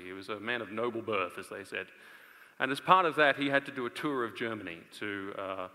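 A man in his thirties preaching a live sermon with earnest, rhetorical delivery and dramatic pauses. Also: mid-range voice, bright, forceful tone. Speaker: preacher and conference speaker. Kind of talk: live sermon to a large audience. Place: stage of a large indoor auditorium. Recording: long reverb of a large auditorium.

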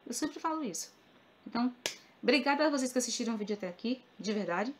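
Earnest Northeastern Brazilian woman, higher voice. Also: lively intonation, fast talker, a little hiss or hum. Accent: Northeastern Brazilian, from Ceará. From Cariri region of Ceará, northeastern Brazil. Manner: earnest and emphatic, repeats points for stress. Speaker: crochet YouTuber. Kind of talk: casual talk to the camera.

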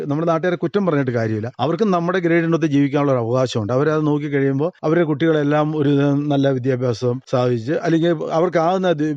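ഇടുക്കി ഉച്ചാരണമുള്ള വേഗത്തിൽ സംസാരിക്കുന്ന കർഷകൻ. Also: male voice, a little high, a little mellow, no room sound, dull audio. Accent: Malayali, Idukki. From Kerala. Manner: practical, explanatory, with small restarts. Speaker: cardamom farmer. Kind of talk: radio interview, explaining farming.

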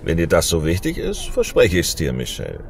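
A man's voice: sits low, huge pitch swings, fairly quick, vocal fry, a little hiss or hum, full character voice. A man acting a stubborn, regretful old father in a German audio drama, speaking in a weary, grave, emphatic way. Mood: gentle. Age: older.

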